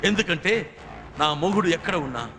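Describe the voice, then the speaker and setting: A man's voice: a little high, lively intonation, normal speed. An actor playing an emotional reformed gang elder and bereaved father in a film drama, speaking in an impassioned, dramatic way. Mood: earnest. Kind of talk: Telugu action film drama acting. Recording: film soundtrack with music behind.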